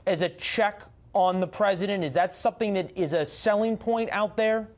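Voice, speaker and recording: Higher-pitched American male news anchor. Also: normal speed. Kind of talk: live television news interview.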